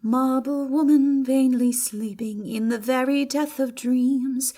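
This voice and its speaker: In an audiobook, a woman plays a lovelorn young man, singing slow, drawn-out verse full of melodic yearning. Her high voice holds steady and carries a dark tone.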